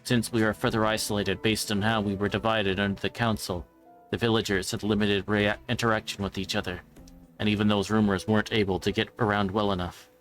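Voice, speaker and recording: A man's voice: on the low side, flat delivery, brisk, a bit bright, rough recording. A man reading a visual novel's narration aloud on a livestream, now and then stumbling over a word. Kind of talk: scripted narration read aloud live. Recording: background music.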